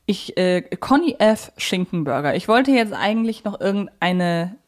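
A woman's voice: medium pitch, expressive, moderate pace. A woman co-hosting a podcast in a casual fan discussion, speaking in a reflective and opinionated way. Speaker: podcast co-host.

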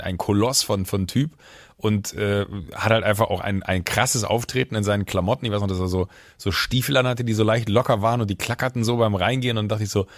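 A man from the Düsseldorf area, a podcast co-host, telling a lively story in casual chat and acting out the dialogue. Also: on the low side, no echo, studio quality. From Düsseldorf area, Germany. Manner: lively storyteller who acts out quoted dialogue; many fillers and restarts.

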